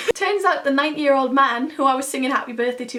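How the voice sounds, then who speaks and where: Speaking in a Welsh accent, a woman sounds upbeat, her high voice carrying lively intonation. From Wales. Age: young. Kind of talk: casual storytime talk to camera. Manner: upbeat, chatty.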